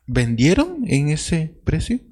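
A man acting out an older male apostle who slowly and softly pleads with a woman not to lie. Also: fairly high pitch, huge pitch swings, breathy edge, voice pushed up, heavily acted. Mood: pleading.

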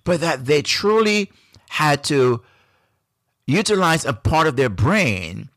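A man from Jamaica with a Jamaican accent, hosting a solo podcast in a reflective, unhurried way with frequent restarts. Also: a little high, big pitch swings, fairly bright tone, no room sound, clean studio sound. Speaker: podcast host.

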